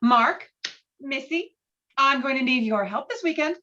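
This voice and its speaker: Dull, muffled audio carries a woman acting a stern suburban mother in a screenplay read. She is exasperated and scolding, with clipped delivery and a raised pitch. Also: expressive, unhurried, pushed and bright, heavily acted. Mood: cold, firm. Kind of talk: virtual table read of a screenplay.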